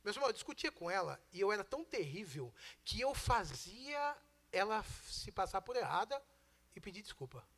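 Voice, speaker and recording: High-voiced bright Brazilian preacher. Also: male voice, very animated, moderate pace. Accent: Brazilian Portuguese. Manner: emphatic, asks the congregation rhetorical questions; conversational, mixes in personal stories. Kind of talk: sermon.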